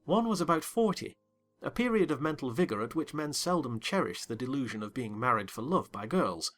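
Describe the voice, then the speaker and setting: A man narrating a dramatized audiobook reading, expressive and wry. His pitch moves a lot and his tone is bright, with faint music in the background. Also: brisk.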